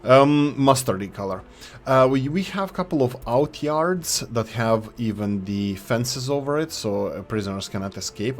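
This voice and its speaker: A man talks through game mods into a desk microphone. His voice sits at a middling pitch. He sounds chatty and enthusiastic, and he often stops and restarts his words. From Yugoslavia. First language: Serbo-Croatian. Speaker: gaming YouTuber reviewing mods. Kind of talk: casual gameplay commentary.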